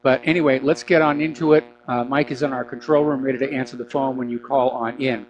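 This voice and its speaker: A man who sounds a little sick, hosting a live call-in radio news show with opinionated, halting, conversational commentary. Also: mid-range voice, steady tone, highs cut off, slight background noise. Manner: feeling sick, under the weather, clearing throat. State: mildly unwell, not sounding normal self. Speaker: radio talk show host.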